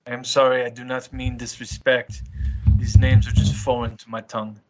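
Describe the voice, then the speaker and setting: Slightly dull in sound, this is a stiffly polite outsider, voiced by a man at a gaming table. The words come formally and without contractions, at a middling pitch. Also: little pitch movement, moderate pace, noisy background, natural voice. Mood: weary, apologetic.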